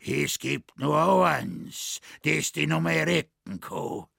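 A countryman playing the devil draws out his threats slowly with a high, booming voice, as a man acts him out. His Bavarian speech is gravelly and close-miked. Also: big pitch swings, a bit bright, no echo, heavily acted. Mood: menacing. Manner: slow, menacing, booming. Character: gruff rustic man posing as the devil.

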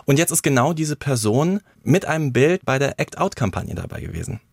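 A man's voice: mid-range voice, very animated, brisk, creaky, breathy edge, no room sound, studio quality. A man, an actor, talking candidly in a personal conversation and reflecting on his experiences, often acting out what others said. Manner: reflective, tells stories with acted-out quotes.

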